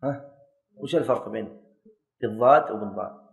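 A man's voice: lowish voice, a little fast, gravelly. A man teaching a classroom lesson, quizzing and correcting students and joking lightly. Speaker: teacher of Islamic jurisprudence.

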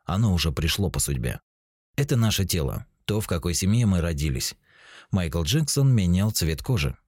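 A man in his forties calmly explaining spiritual ideas, speaking straight to the listener as narrator of a self-help book. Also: deep voice, normal speed, dry recording, clean studio sound. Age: 40s. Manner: calm, explanatory, addresses the listener directly.

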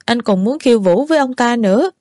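A woman's voice: a little high, lively intonation, brisk, a little mellow, dry recording, studio quality, natural voice. A woman voicing a drunk, petulant young man who accuses his lover of not caring, in a storybook reading. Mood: accusing. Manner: sulky, accusing reproaches.

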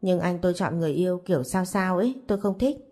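A woman's voice: fairly low pitch, animated, quick pace, dark tone. A woman voicing a blunt, gossipy young woman, a sister, in a storybook reading. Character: sharp-tongued young woman, the father's sister.

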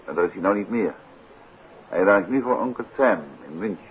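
A man acting an urbane gentleman detective in an old radio play, with a deep voice and very lively intonation. He is unruffled, evasive and dryly ironic. The recording is muffled, with some background noise. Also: fairly quick, natural voice. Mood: relaxed, teasing. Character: unruffled, evasive middle-aged gentleman detective, teasing husband. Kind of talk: 1950s Dutch radio drama acting.

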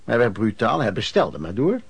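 A man's voice: lowish voice, huge pitch swings, normal speed, gravelly, slightly rough, dry recording, heavily acted. An actor playing a former street peddler who frankly recounts his youth as radio play narration, in a conversational way. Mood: reminiscing. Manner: conversational storytelling.

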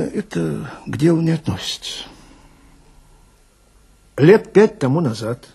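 A man playing a chatty, grumbling police detective who tells his story wryly and confidingly, with dramatic pauses, in a radio reading with a gravelly, husky voice. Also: a little high, a little mellow, heavily acted. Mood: matter-of-fact.

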